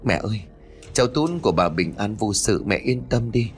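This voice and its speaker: A man's voice: fairly low pitch, lively intonation, normal speed, faint music behind, close to an everyday voice. A man voicing an anxious young mother who calls out urgently in a storybook reading. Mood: soothing. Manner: urgent, near shouting. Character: anxious young mother searching for her child.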